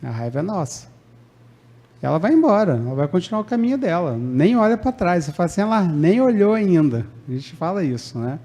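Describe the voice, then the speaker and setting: A man's voice: fairly high pitch, big pitch swings, quick pace, dark tone. A man from Brazil giving a conversational public talk at a spiritist centre, acting out quoted lines and tagging sentences with "né?". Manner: conversational, acts out quoted lines, frequent "né?" tags. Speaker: spiritist lecturer. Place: spiritist centre lecture hall.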